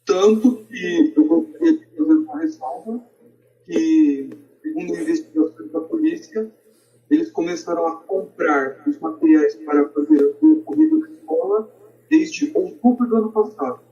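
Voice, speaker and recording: A man's voice: high voice, sing-song, moderate pace, mellow. A Brazilian man speaking as a podcast guest in a casual, opinionated debate, on a lo-fi recording. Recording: dull, lo-fi voice recording.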